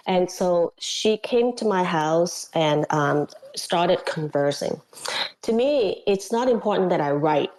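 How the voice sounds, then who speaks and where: This guest, a former missionary from Hong Kong whose first language is Cantonese, shares her experiences in a relaxed interview. She speaks in a somewhat low, a little mellow voice, animated and dotted with fillers, small acted-out quotes, and laughs. The audio quality is poor.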